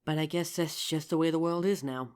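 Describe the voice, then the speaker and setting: A woman acting a low-voiced, wounded apocalypse survivor. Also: steady tone, brisk, darkish tone, clean tone, natural voice. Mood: relieved, fond. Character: injured young woman survivor scavenging in a zombie apocalypse. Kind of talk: roleplay audio drama acting.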